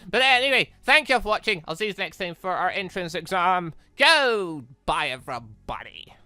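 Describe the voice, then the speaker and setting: Casting: gaming YouTuber, lively swooping pitch, bright forceful tone, chatty and rambling, close dry sound. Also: moderate pace, no room sound. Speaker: gaming video host. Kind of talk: casual visual novel playthrough commentary.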